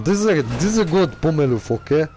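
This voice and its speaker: A man's voice: fairly high pitch, very animated, a little slow, darkish tone, slight background noise. A young man playing a boastful, car-loving character who speaks in broken grammar and keeps repeating the same filler word, commenting on a game. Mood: goofy.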